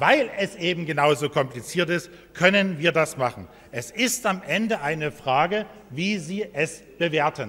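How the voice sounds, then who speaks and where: At a fairly slow pace, a man speaks with a fairly high pitch and lively intonation. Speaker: city councillor. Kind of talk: council debate speech. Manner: animated.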